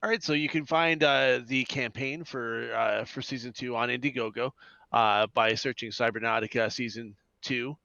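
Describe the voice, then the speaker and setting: A man speaking as an interview guest about his creative work, casual and somewhat halting. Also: mid-range voice, fairly even intonation, vocal fry, bright, forceful tone, no echo. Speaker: guest, audio drama creator. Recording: dull, band-limited sound.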